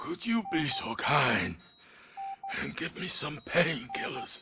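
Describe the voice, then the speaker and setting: The put-on character voice sounds raspy. Its delivery is fairly slow. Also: man. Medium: video game. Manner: weak, sentimental.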